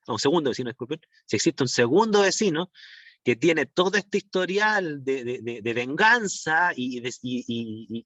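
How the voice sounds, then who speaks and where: A man's voice: fairly high pitch, fairly bright tone, no room sound. A man teaching an online class, rambling through restarts and fillers and checking in with his students. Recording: dull, dry lo-fi stream audio.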